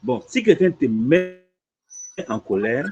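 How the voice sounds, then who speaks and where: A man's voice: on the high side, slow, vocal fry. A man, an imam, explaining a religious teaching in conversation, repeating points and checking "tu vois". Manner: lively, repetitive explaining with frequent "tu vois". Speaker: imam answering questions. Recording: dull lo-fi audio.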